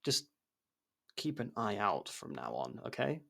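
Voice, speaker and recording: Low, gravelly, guarded ex-con played by a man. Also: huge pitch swings, a little slow, a bit bright, heavily acted. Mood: cautioning, earnest. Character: abrasive ex-fugitive male murderer turned protective investigation partner. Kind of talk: intimate ASMR roleplay audio drama.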